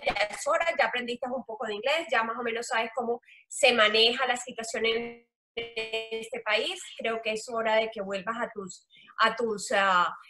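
A middle-aged woman from Colombia with a strong Caribbean coast accent, explaining her work as a loan officer in an interview, earnest and filling pauses with "eh". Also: on the high side, fairly even intonation, bright, forceful tone, soft background music, poor audio. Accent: Colombian Caribbean coast Spanish. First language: Spanish. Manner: earnest, explanatory, with frequent "eh" fillers. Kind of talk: interview answers.

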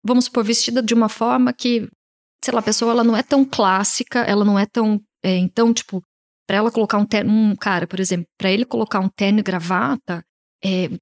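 Woman, Brazilian Portuguese accent, style consultant, animated, mid-pitched voice, acts out her clients' words. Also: quick pace. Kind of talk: interview guest answering.

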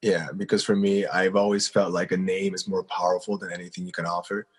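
A man's voice: deep voice, flat delivery, fairly quick, slightly rough. A man in his twenties, a pastor and guest from South Korea, telling his story in an earnest, conversational way with plenty of fillers. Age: 20s. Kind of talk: casual interview storytelling.

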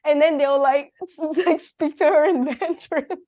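A woman's voice: high-pitched, fairly even intonation, moderate pace, mellow, muffled recording. A young woman hosting a podcast, chatting casually and giggling often. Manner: giggly, chatty, with frequent laughs and fillers. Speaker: podcast host. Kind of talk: casual chat.

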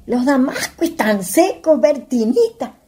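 A woman playing a cautious, scolding country ghost with a husky voice and a Chilean accent, speaking rural colloquial speech in a radio play. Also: high voice, sing-song, unhurried, dark tone. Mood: resigned, advising. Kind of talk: radio theatre acting.

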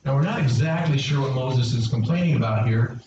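A man's voice: mid-range voice, a little fast, darkish tone, slight background noise. A male pastor preaching a sermon in a church, engaging and questioning his congregation and calling for responses. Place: church sanctuary. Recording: very echoey hall, distant dull mic.

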